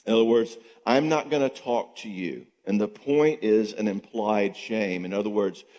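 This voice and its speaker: Older man teaching in a reverberant church. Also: normal speed. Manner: animated, asks rhetorical questions and acts out quotes in higher voices. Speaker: psychologist speaking at a marriage conference. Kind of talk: conference talk to a church audience. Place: church sanctuary. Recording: long church hall reverb.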